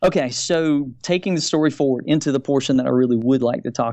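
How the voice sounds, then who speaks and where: This is an unremarkable speaking voice. A man uses a medium pitch with ordinary pitch variation. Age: 50s. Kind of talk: debate.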